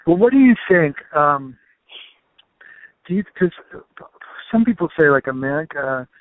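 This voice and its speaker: A man's voice: a little high, expressive, a little slow, no room sound. A man in casual chat, musing loosely and using many fillers. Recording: tinny phone-like line.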